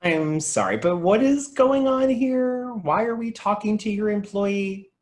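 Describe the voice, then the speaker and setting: A woman's voice: medium pitch, expressive, measured pace, a little mellow, lightly acted. Woman playing a bewildered, bickering store worker. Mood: incredulous. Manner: incredulous, exasperated. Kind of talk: comedy table read.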